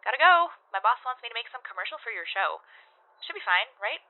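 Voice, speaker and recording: A woman's voice: a little high, sing-song, quick pace. A woman playing a plucky, self-conscious young working gal in an audio drama, rambling chattily through a radio or telephone filter. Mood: flustered. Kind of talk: full-cast audio drama acting. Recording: tinny, phone-like radio message.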